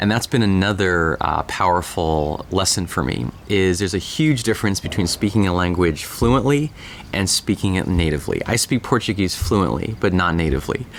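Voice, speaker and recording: A man with an American accent and a very deep, low pitch, very even in loudness, with hardly any pauses, over noticeable background noise. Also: moderate pace. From Southern California. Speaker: author and productivity educator. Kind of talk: personal life update vlog. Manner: casual, conversational with fillers.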